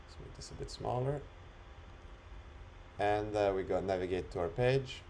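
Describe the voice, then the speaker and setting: Man demonstrating software for a tutorial. Lowish voice with gravelly fry, step-by-step delivery. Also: normal speed, a little hiss or hum. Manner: step-by-step, instructional. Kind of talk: screen-recorded tutorial walkthrough, unscripted.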